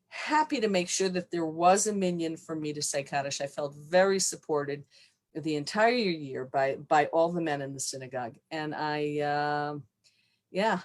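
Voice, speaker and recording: This woman's pitch sits very deep and low. She talks at a moderate pace. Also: ordinary pitch variation. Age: 60s. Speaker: psychologist and author. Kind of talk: webinar talk.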